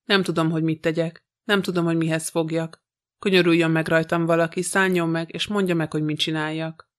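A man's voice: fairly high pitch, little pitch movement, natural voice. A man voicing a frightened, passionate young woman in an audiobook, pleading and tearful. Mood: sobbing.

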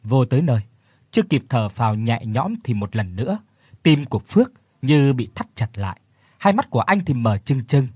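A man narrating a horror story as a scripted audiobook, in an expressive storytelling manner. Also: medium pitch, moderate pace, slightly rough, no echo, clean studio sound.

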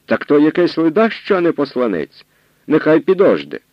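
A man's voice: on the high side, wildly swooping pitch, normal speed, no echo, lo-fi sound, pitched above the performer's own voice. A man voicing a wrathful, imperious old male hetman who barks his commands, in an audiobook reading. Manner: barking, wrathful.

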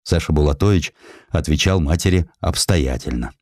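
A man reading a literary story aloud as an expressive narrator, with rhetorical phrasing and emphatic pauses. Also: rumbling low, no echo, clean studio sound. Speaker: audiobook narrator, reading in the author's first person.

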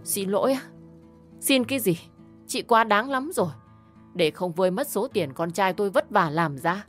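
A woman voicing a furious older mother-in-law who wails and shouts as she scolds. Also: medium pitch, lively intonation, normal speed, faint music behind, pitched above the performer's own voice, close to an everyday voice. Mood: scolding.

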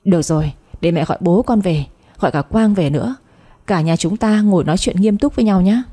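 A woman's voice: lowish voice, fairly quick, dark tone, slightly rough. A woman voicing a sweet-talking, defensive middle-aged stepmother in a read-aloud story. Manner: honeyed, evasive.

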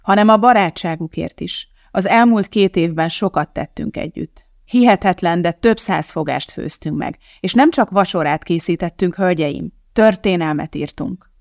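Firm determined lady chemist tv host, reader putting her on, raised voice, bit gravelly, dry sound. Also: medium pitch, no room sound, lightly acted. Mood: rousing. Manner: firm, declaiming to a studio audience. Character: resolute woman chemist, TV cooking host. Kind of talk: audiobook character voicing.

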